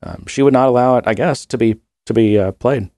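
A man's voice: mid-range voice, fairly quick, dark tone, no room sound, clean studio sound. A man co-hosting a podcast in casual chat, rambling and laughing often while he has a cold and cough. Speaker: podcast co-host.

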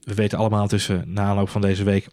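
A man talks fast about motor racing in casual podcast chat. His voice sits low and he scatters fillers and dry jokes as he goes. The sound is dry and close, with no room echo. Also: level tone, a little mellow. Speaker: podcast co-host.

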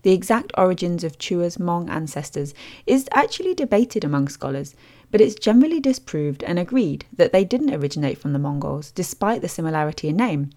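A woman host reading scripted documentary narration in a measured, descriptive storytelling manner as a studio voice-over. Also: on the low side, sing-song, warm tone.

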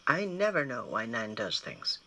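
A woman's voice: rumbling low, very animated, normal speed, sharp tone, no room sound, voice pushed down, exaggerated voice, low-quality recording. A woman reading aloud and voicing a tired, worried mother who speaks firmly but kindly. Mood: puzzled. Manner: tired, firm. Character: weary, worried mother, firm but kind.

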